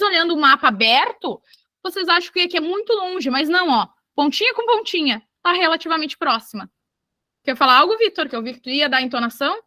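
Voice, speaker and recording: Woman, from Brazil, geography teacher, high voice, bright tone, lively, checks in with students. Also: no room sound. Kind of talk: online exam-prep class.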